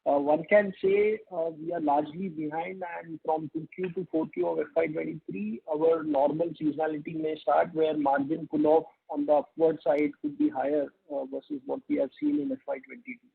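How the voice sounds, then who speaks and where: A man asking questions as a financial analyst on an earnings call, with a gravelly, husky voice. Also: a little high, fairly quick, hardly any pauses, no room sound. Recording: narrow lo-fi phone line.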